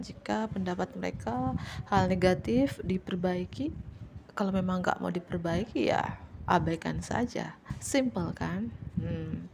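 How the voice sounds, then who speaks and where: A woman giving a casual general tarot reading in a chatty, repetitive way, sometimes dropping to soft whispers and joking playfully. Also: mid-range voice, gravelly, a little hiss or hum. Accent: Indonesian. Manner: playful, teasing jokes. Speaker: tarot reader.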